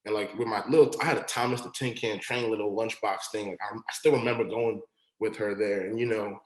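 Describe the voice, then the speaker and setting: A man's voice: on the low side, fairly quick. Slangy young man in a roomy space. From Long Island, New York. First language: Igbo. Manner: relaxed, slangy, many "like" fillers. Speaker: guest. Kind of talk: casual podcast conversation. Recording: roomy echo.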